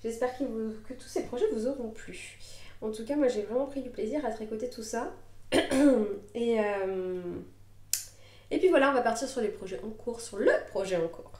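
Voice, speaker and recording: A woman's voice: a little high, normal speed, a little mellow. A woman chatting hesitantly with many fillers and restarts in a casual knitting vlog, just over a cold. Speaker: knitting podcaster. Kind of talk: casual show-and-tell vlog. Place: at home, knitting on camera. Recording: echoey room.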